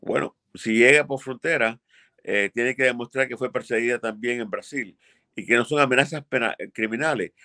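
Blunt older lawyer on a video call. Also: male voice, medium pitch, moderate pace, pushed and bright, no echo, clean studio sound. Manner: emphatic, blunt, repeats for stress. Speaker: immigration lawyer. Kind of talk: expert answering viewer questions. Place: home office with framed pictures.

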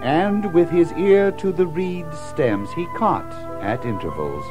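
Animated male storybook narrator. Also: on the high side, slow pace. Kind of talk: expressive scripted children's story narration. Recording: music behind narration.

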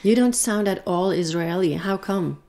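A woman's voice: mid-range voice, normal speed, dark tone. A woman hosting a podcast interview. She is chatty and stumbles over some words as she asks questions. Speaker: podcast host.

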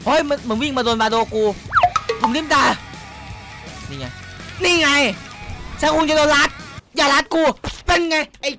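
A young man giving excited, crude gameplay commentary as a streamer, boasting and shouting at opponents. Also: very high-pitched, unhurried, pauses often. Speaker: gaming streamer. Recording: music heard clearly behind the voice. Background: game music.

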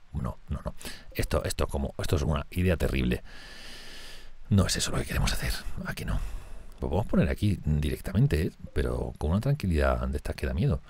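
Man, Spain Spanish accent, very deep voice, animated fast talk, let's-play commentary, faint game music behind. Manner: chatty, thinks aloud and talks to his game characters. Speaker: gaming channel host.

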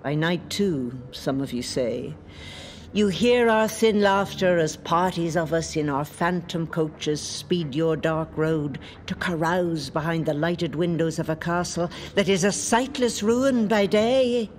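An actress playing an ancient, feared lake spirit in a lyrical, deliberate audio drama monologue. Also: female voice, lowish voice, slight background noise, lightly acted. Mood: eerie, wry. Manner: slow, deliberate, lyrical storytelling. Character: ancient female lake spirit, feared, haunting, proudly otherworldly.

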